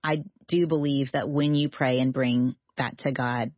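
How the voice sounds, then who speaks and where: A woman's voice: rumbling low, fairly even intonation, measured pace, dry recording, muffled recording. A woman author talking earnestly about motherhood and faith in an interview, laughing often and speeding up when she lists ideas. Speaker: author guest. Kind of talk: faith-based interview conversation.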